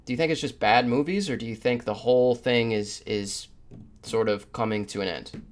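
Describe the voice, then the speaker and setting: A man's voice: medium pitch, normal speed. A man hosting a casual panel podcast, talking conversationally and laying out his points at length. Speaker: podcast host. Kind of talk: casual panel discussion of superhero films.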